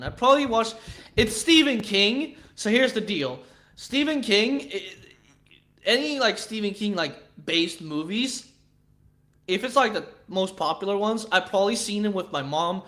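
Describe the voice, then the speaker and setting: A man's voice: high-pitched, very animated, a little slow, bright, forceful tone. A man with a Swedish accent chatting casually with viewers on a livestream, rambling and swearing, with frequent restarts. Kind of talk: casual chat.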